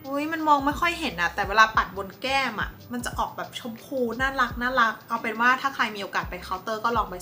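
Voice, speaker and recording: A woman's voice: mid-range voice, pushed and bright. A woman chatting casually as a beauty vlogger, reviewing makeup in a playful way and tossing in mock-dramatic asides. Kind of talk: casual product review chat. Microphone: compact camera mic.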